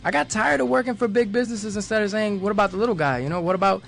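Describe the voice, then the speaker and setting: A man's voice: high voice, racing, creaky, fairly bright tone, faint music behind. A man from New York, a guest on a radio show, talking at the studio mic in a rambling, easygoing way and often laughing. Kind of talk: casual interview talk. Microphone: studio microphone.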